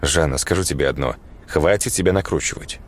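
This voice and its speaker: A man's voice: rumbling low, brisk, slight background noise, voice pushed down. A man voicing a blunt, foul-mouthed middle-aged male teacher who lectures and swears. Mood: gruff. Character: gruff crude male schoolteacher, middle-aged.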